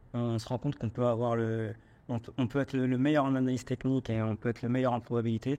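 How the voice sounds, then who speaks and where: This man's speech rushes along very fast. His pitch is medium and his intonation stays monotone and flat. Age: 30s. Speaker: trader, former business owner. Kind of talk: interview. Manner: halting, many fillers.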